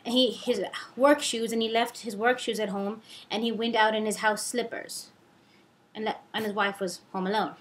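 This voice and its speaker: A young adult woman telling a personal story in a casual, animated, rambling way, acting out the dialogue as she goes. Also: fairly high pitch, normal speed.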